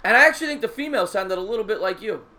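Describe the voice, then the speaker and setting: A man's voice: high voice, lively intonation, rapid-fire, sharp tone. A man hosting a live sports call-in show, stammering and repeating words before he finishes a thought. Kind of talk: casual call-in chat.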